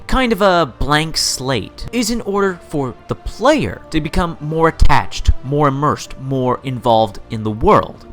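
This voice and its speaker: Animated man delivering gaming commentary. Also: a little high. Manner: emphatic, repeats and stacks words for emphasis; opinionated, informal. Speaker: video host. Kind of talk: video essay commentary on games.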